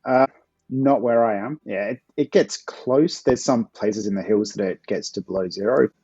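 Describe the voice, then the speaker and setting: A forty-year-old Australian man chatting casually and in a low-key way as an author guest on a podcast. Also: normal speed, warm tone, husky, no room sound, lo-fi sound. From Perth, Australia.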